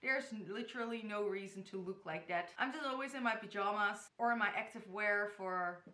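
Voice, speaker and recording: A woman's voice: mid-range voice, brisk, sharp tone. A young woman from the Netherlands, chatty and giggly, showing hijab styles to camera in her bedroom. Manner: chatty, giggly, stumbles over place names. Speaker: hijab tutorial vlogger. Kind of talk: casual tutorial talk to camera. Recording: echoey bedroom.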